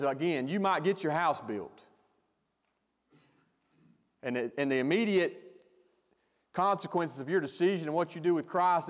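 A male pastor preaching a sermon with emphatic delivery, growing louder when he stresses a point. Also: medium pitch, long reverb tail.

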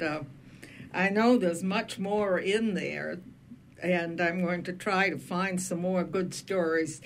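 An older woman with a Maine accent, a retired minister, talking as a guest on a radio show in a thoughtful, unhurried way with frequent pauses. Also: on the low side, a little hiss or hum. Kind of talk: casual radio conversation.

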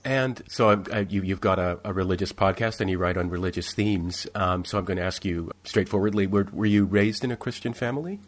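A man hosting a podcast, introducing his guest and asking curious, halting questions. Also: sits low. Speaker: podcast host. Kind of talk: interview hosting.

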